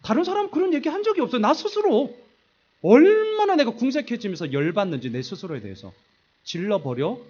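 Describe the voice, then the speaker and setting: A middle-aged man preaching a sermon, telling a self-mocking story with lively humor and acting out the voices in it. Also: very high-pitched, quick pace, lo-fi sound. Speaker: pastor. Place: church sanctuary.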